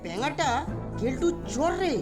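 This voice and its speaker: High lively voice, woman doing cocky mischievous schoolboy, plotting tone, cartoon, loud music behind. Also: measured pace. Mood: scheming. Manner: cocky, conspiratorial. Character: plucky, mischievous schoolboy plotting against bullies. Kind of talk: cartoon dialogue.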